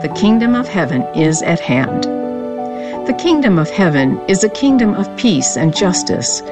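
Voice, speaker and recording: A woman reading a devotional scripture reflection in a calm, measured way. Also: lowish voice, music in the background.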